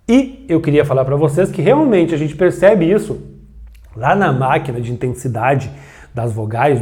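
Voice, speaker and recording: Animated man teaching at a board. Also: on the high side. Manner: animated, stretches words for emphasis, checks in with listeners. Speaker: Portuguese teacher. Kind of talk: classroom grammar lesson.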